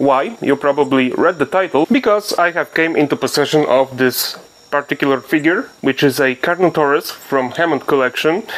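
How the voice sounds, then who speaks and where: A man with a Polish accent speaks at a moderate pace with hardly any pauses, his fairly high pitch moving in ordinary ways and his loudness very even. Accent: Polish accent, non-native English. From Poland. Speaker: toy collector and reviewer. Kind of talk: product review. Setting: at a review table. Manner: halting, with fillers.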